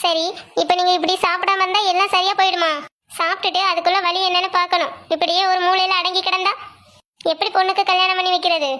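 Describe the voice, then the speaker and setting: A woman voicing a practical, sharp-tongued middle-aged wife who coaxes and teases her husband. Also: extremely high pitch, flat delivery, fast. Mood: coaxing. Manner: coaxing then teasing. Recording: soft music underneath.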